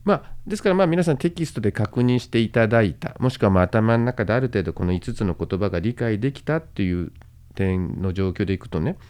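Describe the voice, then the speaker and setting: A man's voice: lowish voice, animated, quick pace, a little mellow, clear, resonant tone. A man hosting a podcast lecture, explaining things casually to listeners and encouraging them, padding his talk with fillers and tag endings. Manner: casual, with many fillers and sentence-final tags. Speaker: host and medical management lecturer.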